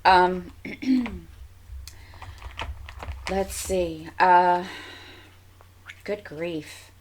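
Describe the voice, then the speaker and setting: Woman, low voice, stuffy nose, relaxed rambling crafting vlogger. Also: drawn-out words, slight background noise, poor audio. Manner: chatty, meandering, many fillers and restarts. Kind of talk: casual rambling chat.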